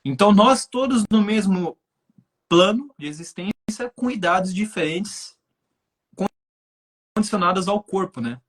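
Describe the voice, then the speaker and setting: A man's voice: high voice, unhurried, long pauses, a bit bright. A man in his twenties giving an explanatory talk on a live stream over a video call, often checking in with his listeners. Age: 20s. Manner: explanatory, thinks aloud with many filler tags. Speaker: guest speaker on spirituality.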